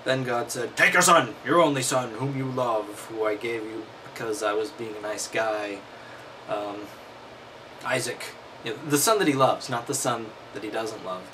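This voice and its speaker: A man's voice: mid-range voice, moderate pace, noisy background. A man reading aloud and breaking off into wry, mocking commentary. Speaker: host.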